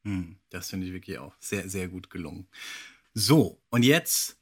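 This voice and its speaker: A man's voice: low-pitched, lively intonation, a little slow, fairly bright tone, breathy edge. A middle-aged man hosting a podcast in a casual, conversational style. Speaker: podcast host.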